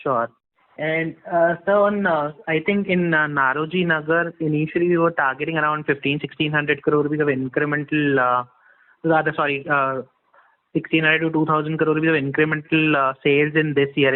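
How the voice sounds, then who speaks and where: A man's voice: a little high, little pitch movement, a little fast. A man asking questions as an analyst, polite and a little hesitant. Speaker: analyst caller. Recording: tinny narrowband phone line.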